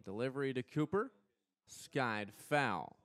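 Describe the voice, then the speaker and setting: A young American man doing live radio play-by-play commentary of a softball game as the announcer. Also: mid-range voice, dry recording. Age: young adult. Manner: measured between plays, excited on big plays.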